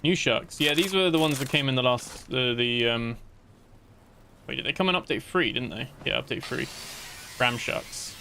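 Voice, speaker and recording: A man's voice: mid-range voice, normal speed, gravelly, sharp tone, a little hiss or hum. A man chatting casually while livestreaming a game, rambling with many fillers and restarts as he talks to his viewers. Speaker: gaming livestreamer. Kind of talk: casual live gameplay chat.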